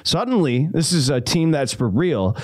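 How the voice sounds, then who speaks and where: A man hosting a sports betting radio show, chatty and telling stories with quick asides. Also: on the high side, sing-song.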